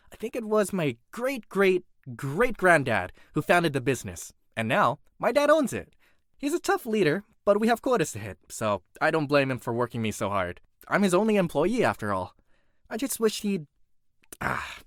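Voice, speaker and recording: An earnest young workaholic blacksmith from an animated series , as a performer acts the part, with a very lively, swooping delivery. The voice is conversational and dutiful with an adventurous streak, recorded dry and close. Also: mid-range voice, no echo, lightly acted. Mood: resigned, earnest. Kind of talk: animated character voice reel monologue.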